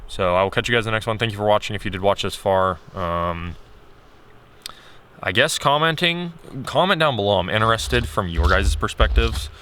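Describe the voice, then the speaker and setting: A man talking in a casual, unscripted vlog style, candid and rambling as he thinks aloud, his voice getting a little hoarse. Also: lowish voice, animated, normal speed, bright, forceful tone. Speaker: video creator.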